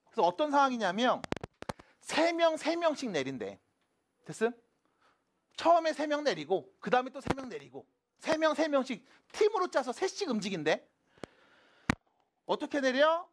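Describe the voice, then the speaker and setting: With a high voice and big pitch swings, a math teacher gives a classroom lecture, alternating casual and polite speech. He keeps asking students whether they follow with quick casual check-ins, over background noise.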